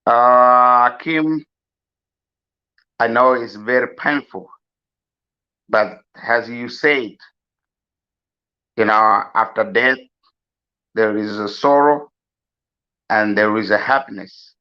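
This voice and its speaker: Very slow earnest man, dull recording. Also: mid-range voice, clean tone. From South Sudan. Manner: slow, earnest, pleading with many pauses. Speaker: mourner giving a eulogy. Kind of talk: slow spoken farewell address.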